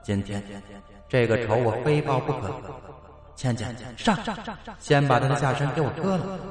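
A man's voice: mid-range voice, moderate pace, a crowd in the background, voice pushed up. A man doing a cackling vengeful female ghost. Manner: teeth-gritting, cackling threats. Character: grieving, vengeful female ghost of a former housemaid. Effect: heavy ghostly echo. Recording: echoey reverb, distant-sounding voice.

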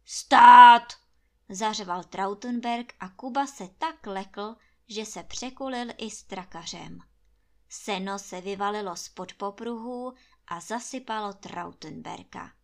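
A woman reading a fairy tale aloud, narrating in a lively, expressive way. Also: medium pitch. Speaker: storyteller.

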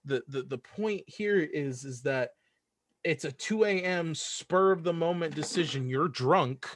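A man's voice: on the high side, unhurried, no room sound. A man speaking as a podcast guest, casually and earnestly giving opinions and repeating phrases for emphasis.

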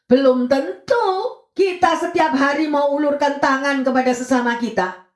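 A woman pastor giving a sermon, lively and conversational, acting out little quotes as she talks. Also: sits high, normal speed, reverberant.

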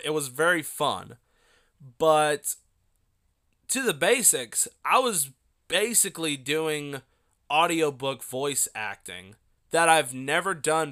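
A man's voice: a little high, sharp tone, clean tone. A young man hosting his own podcast, chatting casually and rambling with lots of fillers. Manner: rambling, loose with many fillers and asides. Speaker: podcast host. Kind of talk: casual solo podcast talk.

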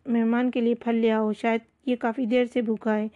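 Fields: Figure: gruff jungle king Tarzan, read by a woman. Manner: commanding. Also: on the high side, level tone, mellow, lo-fi sound, close to an everyday voice. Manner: commanding, short-tempered.

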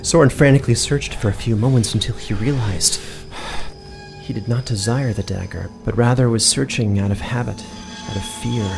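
A man's voice: medium pitch, moderate pace, creaky. A man working as game master, reading dramatic scripted fantasy-horror narration. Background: music.

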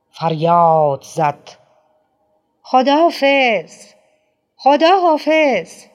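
A man reading a novel aloud as an audiobook narrator, expressive, lifting his voice for quoted lines. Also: medium pitch.

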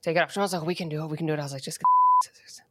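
Lowish-voiced young woman telling stories. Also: fairly even intonation, rapid-fire, heavy background noise. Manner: storytelling, acts out dialogue. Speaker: podcast co-host. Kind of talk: casual chat. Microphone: studio podcast mic.

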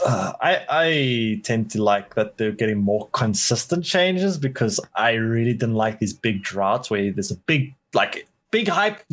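A man co-hosting a gaming podcast in casual chat, rambling with many fillers. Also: medium pitch. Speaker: podcast co-host.

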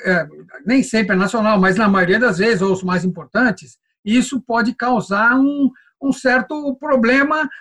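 Male voice teacher, conversational, halting explanatory delivery with repeated words. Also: extremely high pitch, a bit bright. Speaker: voice-over course teacher. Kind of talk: casual conversational interview.

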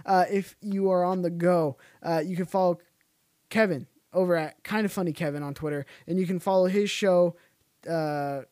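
A man's voice: high voice, fairly even intonation, moderate pace, a little mellow, no room sound, studio quality. A man hosting a podcast, chatting casually, joking and laughing often, swearing now and then. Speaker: podcast host. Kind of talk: casual chat.

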